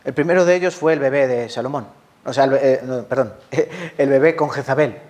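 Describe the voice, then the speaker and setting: A man's voice: medium pitch, brisk, darkish tone. A man with a Spanish accent from Spain preaching a sermon as a pastor, passionate, asking the congregation questions and answering them himself.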